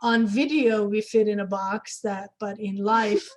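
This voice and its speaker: A woman's voice: mid-range voice, steady tone, a little slow. A woman hosting an online panel discussion with artists, putting questions to guests over a video call. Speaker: host of an online talk series with artists.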